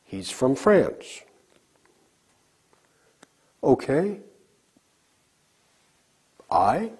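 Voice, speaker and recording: A man leads a recorded English lesson, drilling short example sentences at a slow, deliberate pace. His pitch moves a lot as he models the phrases for learners to repeat. His voice is mellow and a little husky. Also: very animated. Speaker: English teacher.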